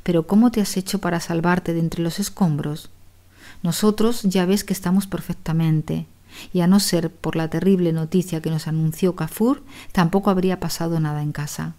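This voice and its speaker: A woman's voice: lowish voice, fairly even intonation, moderate pace, dark tone, close to an everyday voice. A woman voicing a merchant's wife who praises God and explains what happened, in an audiobook tale. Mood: relieved. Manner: pious, explaining. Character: merchant's relieved wife, mother.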